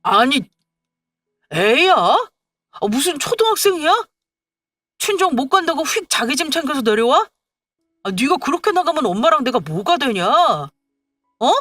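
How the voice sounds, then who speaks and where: A woman's voice: high-pitched, very animated, unhurried, pauses often, fairly bright tone, no echo, faint music behind, heavily acted. A woman voicing a petulant young husband who scolds and whines in an exasperated way.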